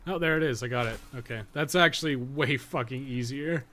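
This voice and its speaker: A man's voice: medium pitch, brisk, pushed and bright, slight background noise. A man giving casual, profane live game commentary, chatting informally and often muttering to himself as he plays. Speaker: gaming podcast co-host.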